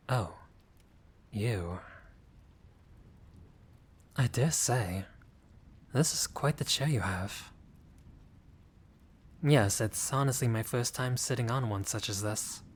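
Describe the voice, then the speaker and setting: Man acting a courteous, lowish-voiced friendly vampire. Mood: polite, curious. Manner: formal, polite, old-fashioned, hesitant phrasing. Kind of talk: intimate roleplay audio acting.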